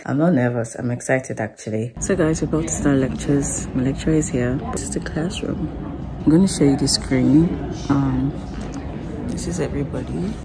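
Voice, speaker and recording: A Nigerian woman in her twenties, with a Nigerian accent and a very deep voice, vlogs casually into a phone held at arm's length against a noisy background. She's chatty and tosses in quick asides.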